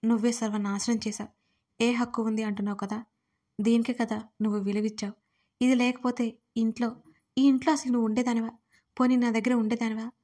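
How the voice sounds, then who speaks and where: A furious young husband who shouts and accuses in a high, level voice. A woman storyteller reads his lines in her own voice. It is a spoken audio story. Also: flat delivery, fairly quick, pauses often, lightly acted. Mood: angry. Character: gruff angry young husband.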